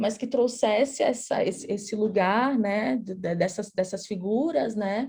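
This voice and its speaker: A very slow voice with a dark, mellow tone and a somewhat breathy quality. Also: woman. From Brazil, São Paulo. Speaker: illustrator and visual artist. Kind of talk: presentation of own work. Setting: video call. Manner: halting, many fillers and restarts.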